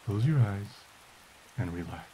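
A man softly and slowly guiding a meditation as podcast host, in a soothing delivery. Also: fairly low pitch, animated, poor audio. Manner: soft, slow, soothing delivery. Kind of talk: guided meditation. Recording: hiss and rain noise. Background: rain.

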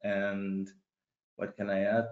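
Low-voiced man from Costa Rica. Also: completely flat delivery, slow. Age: 30s. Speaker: webinar guest, engineer. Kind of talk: casual interview answers. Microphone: video call. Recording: roomy muffled call audio.

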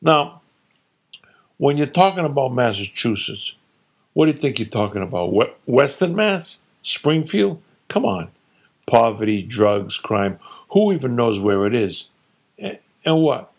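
Guy putting on a loud know-it-all dad, higher than his own gravelly voice, scoffing and ranting. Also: big pitch swings. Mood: scornful. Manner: blustering, dismissive, rattling off rapid-fire insults. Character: opinionated older father boasting about his home state. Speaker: narrator voicing his father.

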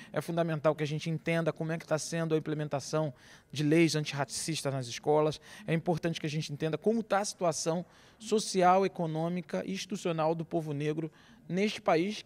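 A woman's voice: sits low, darkish tone. A middle-aged woman lawyer answering an interview, emphatic and insistent as she lists demands, speaking into a handheld mic.

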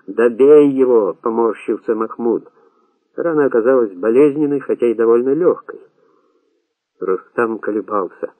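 A man narrating an audiobook in a steady, dramatic reading style. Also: medium pitch, moderate pace, long pauses, no room sound. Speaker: audiobook reader. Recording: tinny phone-like sound.

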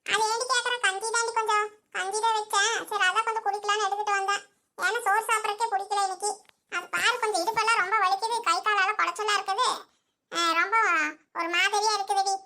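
Lady voicing a shrill bright old mother-in-law for a village cartoon, nags and scolds nonstop. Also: fairly even intonation, fast, heavily acted. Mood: complaining. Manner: nagging, scolding, keeps calling the other "di". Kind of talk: village cartoon comedy acting.

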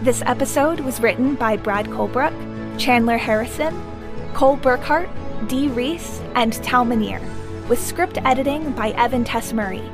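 A woman reads scripted end credits as an announcer. Her voice is on the higher side, with music clearly playing behind her. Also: moderate pace.

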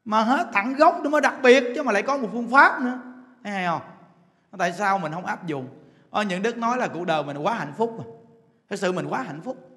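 A man with a Southern Vietnamese accent preaches a Buddhist sermon in a strikingly high voice. He peppers the crowd with rhetorical questions, chuckles, and stretches out words for emphasis. The sound rings with the long reverb of a temple hall. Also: lively intonation, brisk, pushed and bright. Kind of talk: dharma talk.

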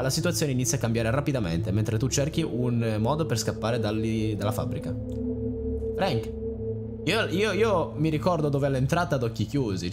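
A young man giving casual, rambling, joking let's play commentary with theatrical reactions. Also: mid-range voice. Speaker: gaming channel host.

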